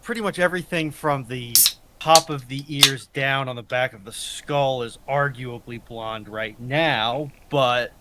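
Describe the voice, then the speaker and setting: A man's voice: medium pitch, measured pace. A man chatting casually as a panellist on a live stream over a voice call. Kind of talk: casual chat. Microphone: computer voice call. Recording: clearly noisy voice call.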